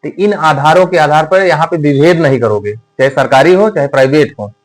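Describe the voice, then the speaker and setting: A man's voice: a little high, fairly quick, poor audio. A man teaching an exam-prep lesson in a conversational way. He often asks rhetorical questions and dictates notes word by word. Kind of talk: explanatory classroom lecture.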